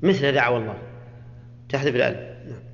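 A man's voice: mid-range voice, very fast, fairly bright tone. A man teaching Quranic grammar in a classroom lecture, explaining point by point and checking with students. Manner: explains point by point, often asks students "ha?" and "clear?". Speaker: Islamic scholar teaching Quranic exegesis. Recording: dull, lo-fi lecture recording with long reverb.

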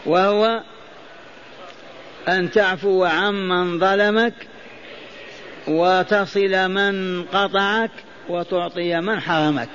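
A man with a high voice gives a Quran lesson, going over phrases again and asking his listeners questions. He chants the verses he quotes, and the recording sounds dull and lo-fi. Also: fairly even intonation, slow, pauses often, a bit bright, slight background noise. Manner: repeats phrases, stops to quiz listeners. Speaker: Quran teacher.

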